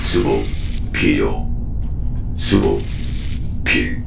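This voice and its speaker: A man's voice: extremely low pitch, sing-song, very slow, gravelly, echoey room, far from the mic, over music, full character voice. A man voicing a cold, relentless combat robot in an audio drama, with clipped, emotionless phrasing and robotic processing. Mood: broken, flat.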